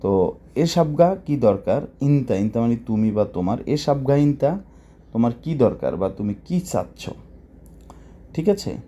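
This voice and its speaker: A man's voice: medium pitch, big pitch swings, unhurried, mellow. A man teaching Arabic phrases, who explains each word, repeats phrases and asks his listeners questions. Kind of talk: language lesson.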